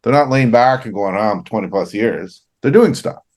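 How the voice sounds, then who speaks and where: A man's voice: lowish voice, normal speed, a little mellow. A man from Canada co-hosting a casual business chat, talking loosely with fillers and restarts. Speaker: co-host.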